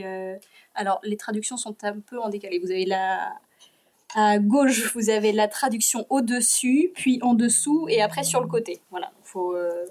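A woman giving a conference presentation with slides, explaining her analysis step by step and pausing often with filler sounds. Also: fairly high pitch. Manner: hesitant, many filler pauses.

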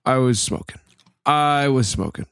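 A hoarse man co-hosting a comedy podcast, rambling off on tangents full of fillers. His voice sits in a middle range. The recording is dry and close. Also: mid-range voice, lively intonation, unhurried, fairly bright tone, dry recording. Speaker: comedian co-host. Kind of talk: casual comedic banter.

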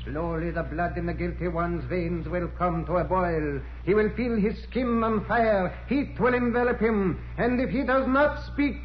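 An actor playing a menacing mystic high priest with grandiose, solemn ceremonial speech in a 1940s radio drama. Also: male voice, a little slow, few pauses. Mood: solemn incantation. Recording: noisy, muffled 1940s radio recording.

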